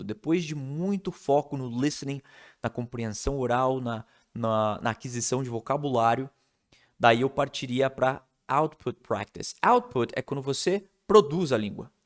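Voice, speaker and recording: A man's voice: medium pitch, lively intonation, a little slow, fairly bright tone. A man from Brazil gives a casual video lesson on how to learn English. He explains it step by step and keeps checking in with the listener. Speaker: English teacher.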